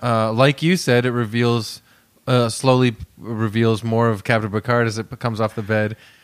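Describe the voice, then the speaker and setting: A man's normal speaking voice at a medium pitch, with fairly even intonation and a moderate pace. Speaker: podcast host. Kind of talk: casual comedy chat.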